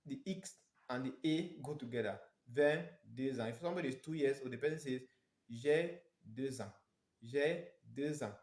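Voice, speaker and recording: Male language tutor, Nigerian accent, medium pitch, didactic and emphatic delivery with careful repetition, reverberant room sound. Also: a little mellow. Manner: didactic, emphatic, repeats phrases slowly for pronunciation. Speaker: French teacher. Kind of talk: instructional language lesson, step by step.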